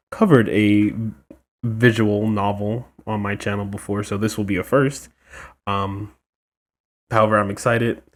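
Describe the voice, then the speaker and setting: A man hosting a casual let's play, chatting informally and reacting aloud to the game. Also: fairly low pitch. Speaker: gaming video host.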